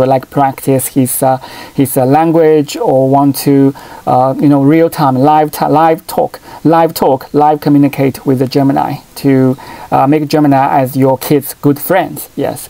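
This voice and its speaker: A middle-aged man whose first language is Chinese, explaining phone settings at his home desk. He speaks haltingly, full of fillers and restarts, in a mellow, warm voice. The sound is dry and close, recorded by a camera over the desk. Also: on the high side, dry recording. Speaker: tech channel host. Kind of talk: hands-on phone tutorial. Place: desk at home, in front of a computer.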